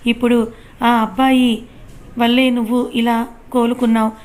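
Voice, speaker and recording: A woman voicing a gentle, guilt-ridden older mother-in-law in a read-aloud story, soothing and coaxing. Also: on the high side, flat delivery, normal speed, close to an everyday voice.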